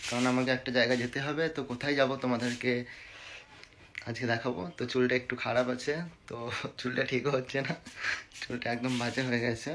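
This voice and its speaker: A man chatting casually to viewers in a home vlog, talking straight to the camera. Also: mid-range voice. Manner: chatty, addresses viewers directly, repeats "to" as filler. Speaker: vlogger. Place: home, indoors and yard. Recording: noisy phone recording.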